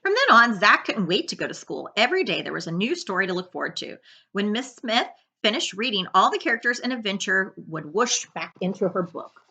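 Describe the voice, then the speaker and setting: Female storybook reader, middle-aged, bright tone, very lively intonation, dramatic delivery for children. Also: mid-range voice, fairly quick, husky. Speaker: librarian reading aloud. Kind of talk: children's picture-book read-aloud with asides. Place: living room couch, indoors.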